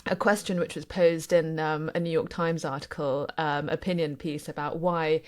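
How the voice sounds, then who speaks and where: A woman's voice: low-pitched, fairly even intonation, normal speed. A woman from Indonesia and Singapore, a panelist on a news podcast, talking in a thoughtful, hesitant way with many restarts. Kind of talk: casual chat.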